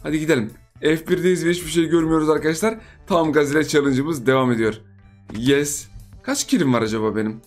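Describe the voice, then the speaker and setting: Chatty young man commentating gameplay, music behind. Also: a little high. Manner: chatty, repeats himself, teasing opponents. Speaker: gaming YouTuber.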